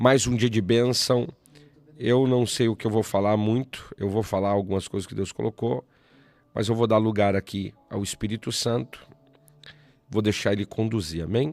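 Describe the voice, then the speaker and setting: Using a put-on character voice, a man speaks raspily at a medium pitch and a moderate pace, with long, frequent pauses. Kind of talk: preacher-like devotional address.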